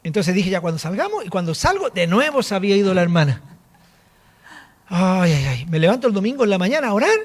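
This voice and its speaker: A man's voice: high voice, quick pace. A man preaching a sermon and telling a personal testimony, acting out the dialogue as he goes. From Chile. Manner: storytelling, animated, acts out dialogue. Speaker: apostle preaching.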